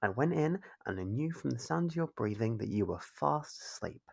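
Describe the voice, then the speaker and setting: A man playing a calmly controlling, doting yandere kidnapper in an ASMR roleplay, speaking in a measured, formal, fussily caring way. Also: mid-range voice, gravelly, breathy edge. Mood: calm, possessive. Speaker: voice actor.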